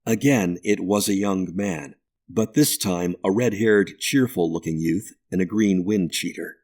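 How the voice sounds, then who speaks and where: A man narrating a ghost story audiobook in a measured, deliberate way. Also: low voice, a little mellow.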